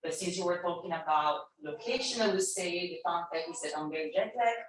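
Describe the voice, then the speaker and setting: A woman's voice: fairly low pitch, brisk. A young adult woman who is a native Italian speaker, introducing herself on a panel in a thoughtful, hesitant way with fillers. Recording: echoey distant room mic, faint noise.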